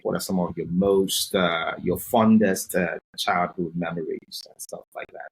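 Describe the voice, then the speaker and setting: Deep-voiced, husky male podcast host. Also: steady tone, measured pace, low-quality recording. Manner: friendly, rambling, many fillers. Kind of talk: interview questions.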